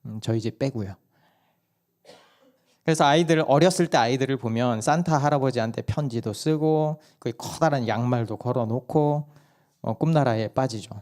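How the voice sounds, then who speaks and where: A hoarse male pastor giving a sermon at a church service, telling stories and asking the congregation questions. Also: mid-range voice, normal speed, darkish tone. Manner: conversational storytelling, asks the congregation questions.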